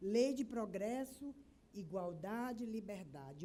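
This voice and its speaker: A woman with a dark, mellow tone speaks at a very slow pace, sounding somewhat breathy, her intonation lively against audible room echo. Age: 60s. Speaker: spiritist speaker and university professor. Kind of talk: lecture.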